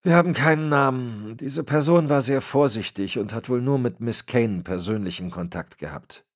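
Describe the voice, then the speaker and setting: A man's voice: mid-range voice, normal speed, voice pushed up, natural voice. A man voicing a dutiful male officer reporting to his boss in a deferential way. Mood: tense.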